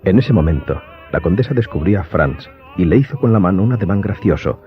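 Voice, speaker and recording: A man narrating a dramatized audiobook in a measured, literary storytelling manner. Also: sits low, lively intonation. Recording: dull lo-fi sound, loud music behind.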